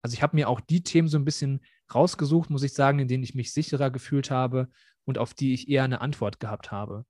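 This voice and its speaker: A man's voice: mid-range voice, quick pace, a little mellow, no echo, studio quality. A young man in his twenties, a student teacher, talking reflectively and earnestly as a podcast guest. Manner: reflective, earnest, many fillers. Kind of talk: podcast interview.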